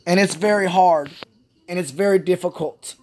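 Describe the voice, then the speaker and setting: A woman's voice: fairly low pitch, normal speed, a little mellow, a little hiss or hum. A woman, a Special Olympics athlete, venting in a vlog monologue, frustrated and profane, repeating herself. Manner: frustrated, repetitive, profane ranting.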